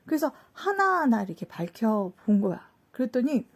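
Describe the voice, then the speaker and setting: A woman's voice: fairly high pitch, very animated, moderate pace. A woman casually retelling a TV case story, loose and full of fillers, acting out the quoted lines as she goes. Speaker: channel host.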